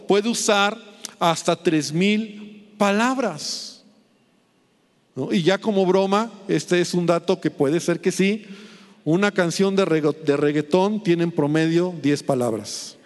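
A man's voice: sits high, in a large hall. A middle-aged man preaching a sermon, chatting with the congregation and checking in with constant tag questions.

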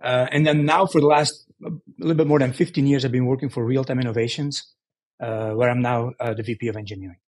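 A middle-aged man from Belgium, a guest in a podcast interview, explaining his work in a measured way with frequent restarts. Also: medium pitch, fairly even intonation, a little mellow, breathy edge. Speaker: guest, engineering executive.

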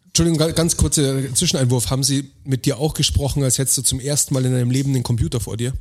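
A man in his thirties talks fast in loose conversation, cutting in with remarks. His voice is slightly husky and rough around the edges. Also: mid-range voice, fairly even intonation. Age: 30s. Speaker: podcast co-host. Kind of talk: casual chat.

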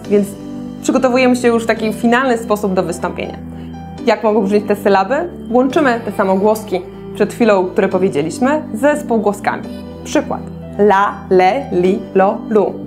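A woman as a public speaking coach, giving an instructional lesson with clear, deliberate articulation and speaking straight to the listener. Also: mid-range voice. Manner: clear, deliberate articulation while demonstrating diction drills; encouraging, addresses the listener directly.

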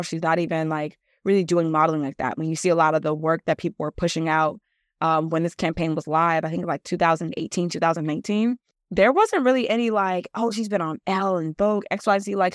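A woman's voice: fairly low pitch, a little fast, no echo, clean studio sound. A woman with a nasal voice and a chatty manner, teaching a casual solo podcast class as host and model coach, with many fillers.

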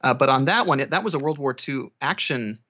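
A man's voice: medium pitch, lively intonation, brisk, bright, forceful tone, muffled recording. A man speaking casually as a guest audiobook narrator in a conversational interview.

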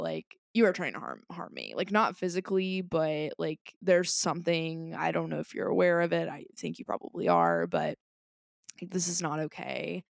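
A woman's voice: fairly low pitch, creaky, dry recording, clean studio sound. A young woman co-hosting a podcast, talking in a rambling, passionate way with lots of "like" fillers. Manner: rambling, animated, many "like" fillers; self-described loud and passionate. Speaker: podcast co-host. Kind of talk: casual chat.

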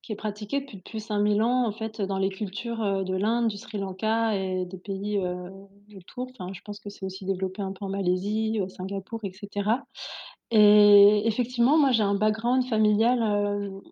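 A woman's voice: medium pitch, dark tone, highs cut off. A woman from France, an Ayurvedic therapist, talking casually as a guest in an interview, with frequent laughs and many hesitations. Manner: laughs often, many fillers and restarts.

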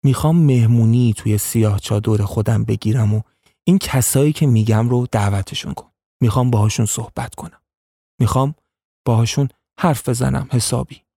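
Brief: a man voicing a calculating tribal chief in an audio story, mellow and dry. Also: mid-range voice, breathy edge, no room sound. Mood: calm. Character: scheming powerful male tribal chief.

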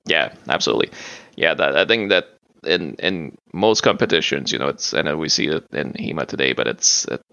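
A man's voice: a bass voice, expressive, normal speed, gravelly, pushed and bright, no echo, highs cut off. A man whose first language is French, talking as a podcast guest, hesitant, with many fillers and restarts. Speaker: guest, martial arts practitioner. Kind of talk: casual interview talk.

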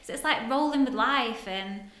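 Woman, 30s, bright chatty guest in an echoey room, lots of fillers. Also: a little high, moderate pace. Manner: chatty, uses many fillers like "like". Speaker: guest, therapist for women. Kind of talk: casual podcast conversation.

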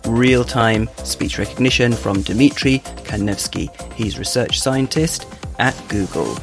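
A man introducing a guest speaker at the start of a video, upbeat and quick. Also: mid-range voice, over music.

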